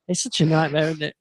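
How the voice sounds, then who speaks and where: A man hosting a casual tech podcast, talking in a meandering way with many ums and restarts. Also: fairly high pitch. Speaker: podcast host.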